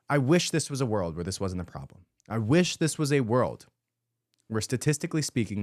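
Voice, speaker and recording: A man's voice: medium pitch, dry recording, clean studio sound. A man hosting a podcast, giving an emphatic, indignant commentary monologue and repeating his points for emphasis. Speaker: podcast host.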